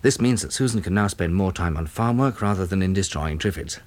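An actor playing a practical, weary English survivor turned farmer, earnest and matter-of-fact, in a 1960s British radio drama. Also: male voice, low-pitched, expressive, brisk, darkish tone. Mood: sober diary narration.

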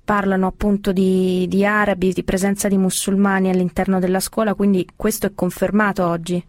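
A woman's voice: mid-range voice, flat delivery, a little fast, a little mellow, no echo, studio quality. A woman interviewer putting questions in a conversational news interview.

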